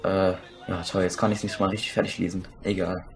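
A man's voice: low voice, brisk, soft background music. Young man swearing through gameplay commentary. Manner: crude, swearing, excitable outbursts. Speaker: let's play gamer.

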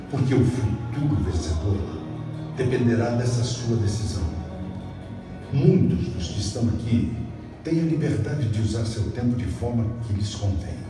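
A middle-aged man giving a motivational opening speech, measured and emphatic with dramatic pauses. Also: medium pitch. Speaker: motivational speaker. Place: video on a screen in a dark event hall. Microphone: phone filming the screen from the audience. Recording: echoey hall from far off with music.

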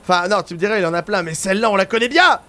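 A man giving chatty, excitable let's-play commentary and laughing often over game music. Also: high-pitched, rapid-fire. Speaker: gaming youtuber. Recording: game music playing behind.

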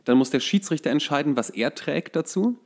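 A man's voice: on the high side, lively intonation, fairly quick. Hesitant man explaining things casually. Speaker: podcast co-host. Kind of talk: casual chat, explaining football.

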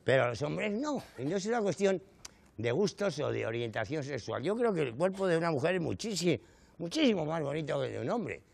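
On a studio stage before a live audience, a middle-aged Canary Islands-accented comedian talks fairly quickly in a fairly high, creaky voice with big pitch swings. His stand-up stories come with indignant exaggeration, and he often turns to the audience with rhetorical asides.

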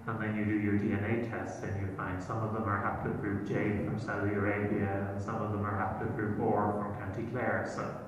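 A man's voice: on the low side, brisk, hardly any pauses, noisy background. Irish man lecturing in an echoey hall. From Ireland. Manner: relaxed, digressive storytelling. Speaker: genealogy lecturer. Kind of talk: public lecture with slides. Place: hotel function room. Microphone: laptop screen recording, far from speaker. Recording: echoey distant hall audio.

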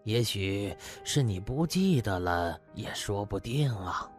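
A man voicing a proud, patient older physician who explains things slowly and deliberately in an audio drama. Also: on the low side, lively intonation, faint music behind, pitched below the performer's own voice. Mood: puzzled, patient. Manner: slow, deliberate explaining with pauses.

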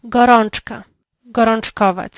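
Female co-presenter, measured answers, dry close recording. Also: fairly high pitch, steady tone, no echo. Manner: slow, clear answering in drills. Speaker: language lesson co-presenter. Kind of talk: language lesson answers.

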